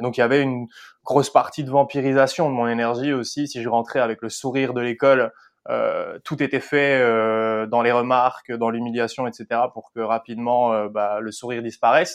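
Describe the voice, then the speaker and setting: A man at medium pitch with monotone, flat intonation and a moderate pace. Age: 30s. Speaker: former cocaine addict sharing his story. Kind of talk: testimony. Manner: halting, many fillers.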